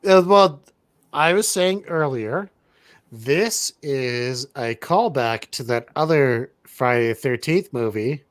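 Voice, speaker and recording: Brief: man, podcast co-host, slow unhurried delivery, deadpan and rambling. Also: medium pitch, dry recording. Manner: rambling, deadpan, swears casually. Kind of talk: casual movie-review chat.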